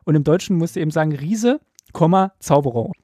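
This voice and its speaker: A man co-hosting a casual podcast discussion, explaining things quickly in his native German, with lots of filler words. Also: a little high, lively intonation, mellow, no echo, clean studio sound. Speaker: podcast co-host.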